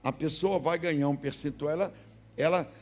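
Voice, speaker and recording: A middle-aged Brazilian pastor preaching a storytelling sermon in a church, acting out dialogue and sometimes shouting. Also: male voice, on the high side, normal speed. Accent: Brazilian Portuguese, Minas Gerais. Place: church sanctuary.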